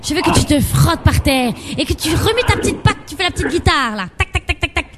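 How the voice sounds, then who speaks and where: A high, lively woman's voice barks teasing orders, rising and dipping with every command. Heavy noise sits under the radio feed. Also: fairly quick. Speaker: radio host. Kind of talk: prank call on radio.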